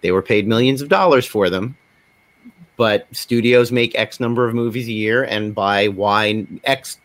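A middle-aged man telling anecdotes conversationally in a panel discussion, slipping into quoted dialogue as he goes. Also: lowish voice. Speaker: podcast panelist, independent filmmaker.

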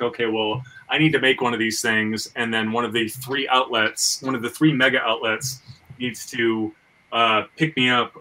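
Male podcast host, very bright voice, recorded at a distance; enthusiastic, stammering, conversational. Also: medium pitch. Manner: rambling, stammering, repeats words as he thinks. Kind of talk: casual conversation about making independent comics and audio.

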